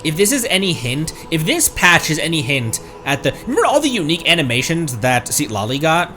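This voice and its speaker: A man doing casual live game stream commentary, excitable, exclaiming and thinking out loud as he plays. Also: a little high, fairly quick, faint music behind. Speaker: streamer, VTuber.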